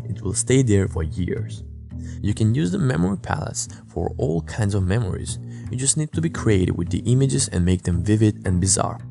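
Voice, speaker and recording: Man, non-native English speaker, calm instructional voice-over, animated delivery, gravelly tone, guitar music behind. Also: fairly low pitch. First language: not English. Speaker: self-improvement channel host. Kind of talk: scripted voice-over narration.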